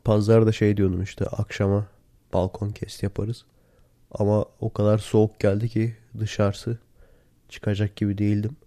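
A man with a hoarse, worn-out voice, sick and tired, chatting casually alone into a close recorder. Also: fairly low pitch, little pitch movement, moderate pace, dark tone, no room sound. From Turkey. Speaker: podcast host. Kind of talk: casual solo podcast chat. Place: in bed at home. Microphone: handheld voice recorder, close.

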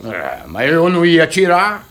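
A man's voice: on the high side, huge pitch swings, moderate pace, fairly bright tone. An actor playing a cranky, swaggering, foul-mouthed gunman in a radio drama, with a rural northern Minas Gerais accent. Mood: grumbling. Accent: rural northern Minas Gerais Brazilian. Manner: grumbling, colloquial, cursing.

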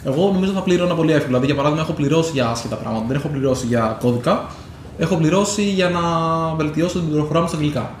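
A man's voice: fairly high pitch, lively intonation, a little mellow. A man co-hosting a podcast, chatting casually and circling back with fillers and restarts. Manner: rambling, many fillers and restarts. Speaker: podcast co-host. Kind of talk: casual chat. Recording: echoey room with faint noise.

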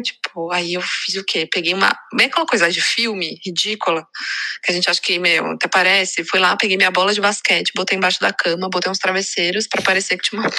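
A young woman telling a story in casual chat, acting out the voices of the people in it and dropping to a hush. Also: medium pitch. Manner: acts out quoted voices, drops to hushed tones. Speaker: podcast co-host telling a story.

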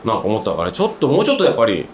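A man hosting a casual podcast chat, talking at length in a rambling, animated way about his work. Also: lowish voice, racing, echoey room, a little hiss or hum. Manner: talkative, rambling, animated storytelling. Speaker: podcast host, outdoor gear maker.

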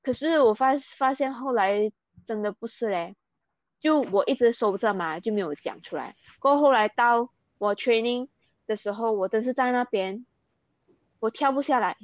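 A woman's voice: fairly high pitch, moderate pace, no room sound, highs cut off. Earnest Malaysian woman mixing English. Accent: Malaysian Mandarin. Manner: earnest, mixes in English words. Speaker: interview guest, athlete. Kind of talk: candid interview.

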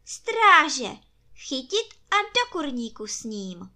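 A woman's voice: sits high, very animated, bright, forceful tone, pitched above the performer's own voice, full character voice. A woman voicing a pampered, imperious empress in a storybook tale, gushing and commanding.

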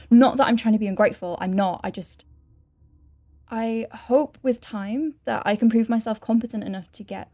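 Nervous newbie lady doctor in a sci-fi audio drama, soft mellow voice, awkward, apologetic, keeps correcting herself. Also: mid-range voice. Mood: rambling, flustered. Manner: hesitant, rambling, self-correcting. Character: nervous rookie woman doctor dictating letters, awkward, apologetic. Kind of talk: science fiction audio drama acting.

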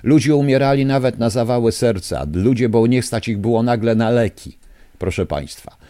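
A male radio host in a studio angrily and indignantly rants at his listeners during a live show. His voice sits at medium pitch with a warm tone, moving at a moderate pace, and the studio microphone captures it without echo.

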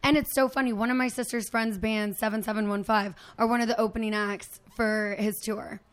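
Raspy, tipsy, chatty woman host. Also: a little high, fairly even intonation, a little fast. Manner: chatty, tangent-prone, laughs often. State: tipsy from drinking. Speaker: podcast host. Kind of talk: casual podcast chat.

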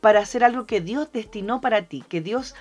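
A woman's voice: fairly high pitch, fairly quick, highs cut off. A woman co-hosting a Christian podcast with a mixed Chilean accent, preaching and often adding "amén" and "¿cierto?". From Argentina. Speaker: podcast co-host. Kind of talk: Christian devotional podcast talk.

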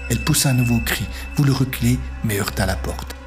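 A man narrating an audio story in a measured, steady way, with music underneath. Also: medium pitch.

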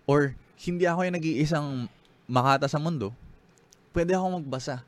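A man's voice: a little high, brisk. A man with a Filipino accent, a spoken word poet on a podcast, switching between English and Filipino. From Philippines. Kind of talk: casual podcast talk and spoken word poetry reading.

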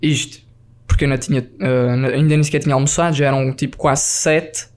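A man telling a lively travel story on a casual podcast, peppered with slang and English words. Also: mid-range voice, fairly quick.

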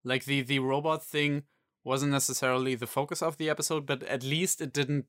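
Measured man in a podcast chat. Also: medium pitch, steady tone, a bit bright, no echo, studio quality. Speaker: podcast co-host. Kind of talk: casual podcast discussion.

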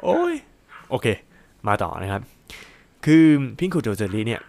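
A man's voice: fairly low pitch, sing-song, moderate pace, darkish tone. A man hosting his own solo podcast, talking casually in a rambling, chatty way with lots of fillers and exclamations. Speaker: podcast host.

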